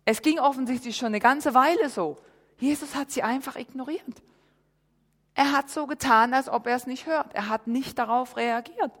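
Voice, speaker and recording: A woman pastor preaching a sermon in a church hall, talking with emphasis and swinging between loud and hushed. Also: sits high, moderate pace. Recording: reverberant hall.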